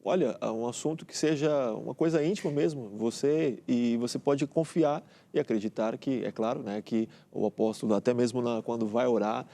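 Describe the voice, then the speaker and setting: Mellow-voiced Brazilian pastor. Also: male voice, medium pitch, normal speed, vocal fry, hardly any pauses. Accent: Brazilian Portuguese. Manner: chatty, often ends with "né?". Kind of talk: casual co-host chat.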